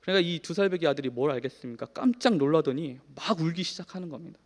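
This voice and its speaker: A man in his thirties preaching a sermon in a church, telling a personal story in an earnest way, shifting from soft to emphatic. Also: a little high, expressive, quick pace. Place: church hall. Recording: long hall reverb.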